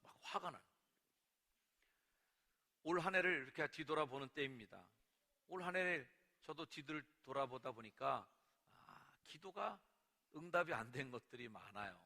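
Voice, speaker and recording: Bright-voiced Korean pastor preaching in a hall. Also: male voice, mid-range voice, normal speed. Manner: lively preaching, acts out angry outbursts to God. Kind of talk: sermon. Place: church sanctuary. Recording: long reverb of a church sanctuary.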